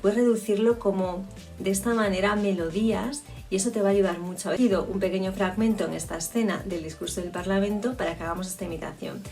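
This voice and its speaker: Creaky-voiced woman coaching speech. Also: mid-range voice, steady tone, fast talker, a little mellow, far from the mic, faint music behind. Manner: reflective, explanatory, with frequent restarts. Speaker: public speaking coach. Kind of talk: spoken lesson on communication.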